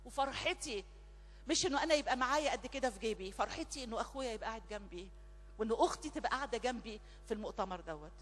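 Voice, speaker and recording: A woman's voice: on the high side, lively intonation, rapid-fire. A woman with an Egyptian Arabic accent leading a church prayer meeting, speaking emphatically and repeating her phrases fervently. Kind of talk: church announcements and spoken prayer. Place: large church hall. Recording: long church reverb, faint music behind.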